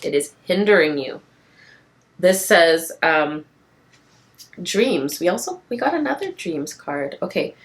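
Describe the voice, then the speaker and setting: Woman, low gravelly voice, tired rasp; passionate, encouraging tarot reader talking to camera. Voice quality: raspy from tiredness. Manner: passionate, encouraging, repeats phrases for emphasis. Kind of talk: casual spiritual card reading to camera.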